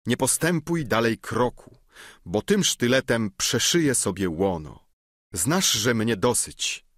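A man's voice: medium pitch, animated, slow pace, fairly bright tone, no room sound, clean studio sound. A man voicing a young noblewoman who feigns desperate fury, reading her lines in an impassioned, declamatory way for an audiobook. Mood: indignant.

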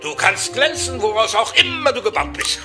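A man's voice: very high-pitched, sing-song, moderate pace. An actor playing a kindly male robot company founder in a children's audio play, solemn and encouraging. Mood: inspiring. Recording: music behind the voice.

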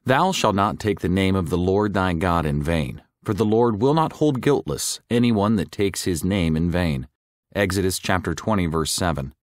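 A man reads a religious book aloud as an audiobook narrator. His voice is fairly low and moves expressively up and down, with measured, clearly enunciated phrasing. The sound is dry and close, free of room echo.

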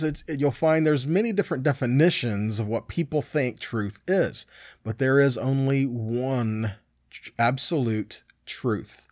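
A man's voice: a little high, a little mellow, no room sound, studio quality. A middle-aged man teaching scripture in an informal sermon, conversational and often answering his own questions. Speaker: Bible teacher.

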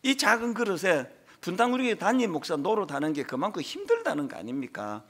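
A middle-aged man preaching a sermon as pastor, telling a story and moving between quiet asides and loud emotional peaks. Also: high voice, wildly swooping pitch, a little fast, slightly rough.

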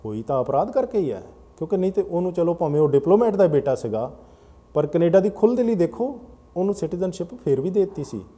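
A man's voice: sits high, very animated, fast, mellow. A man hosting a televised call-in talk show, patiently explaining at length to callers. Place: TV studio.

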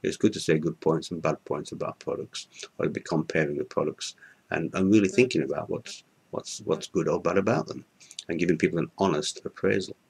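An older man with a Yorkshire accent talks straight to a webcam in a room, his voice very low and a little husky. He speaks in halting, unscripted bursts, filling gaps with ums and uhs and restarting his sentences. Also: darkish tone. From Yorkshire, England. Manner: hesitant, many fillers and restarts. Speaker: product reviewer. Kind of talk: unscripted testimonial to camera. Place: indoor room in front of a curtain.

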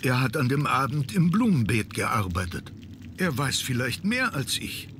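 A man's voice: mid-range voice, sing-song, normal speed, noisy background, natural voice. A man playing a reserved, weary butler in an adventure game, formal, deferential and resigned. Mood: apologetic, guarded. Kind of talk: scripted adventure game dialogue.

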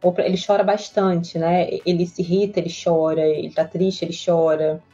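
A woman's voice: fairly low pitch, level tone, moderate pace, warm tone, soft background music. A Brazilian woman, a child psychologist, explaining emotions patiently in an interview, often checking in with "né?". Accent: Brazilian Portuguese. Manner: earnest, patient, explains step by step with frequent "né?". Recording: slightly dull lo-fi audio.

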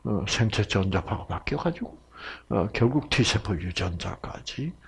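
Man lecturing on health, unhurried delivery, husky voice, acts out quoted voices. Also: lowish voice, animated.

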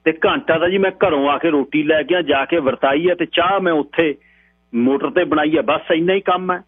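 A man's voice: on the high side, moderate pace, pitched above the performer's own voice, natural voice. Man playing a nervous young village guy, polite and scared, tinny radio sound. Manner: nervous, respectful. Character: young newly married village man, frightened. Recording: tinny radio broadcast with mains hum.

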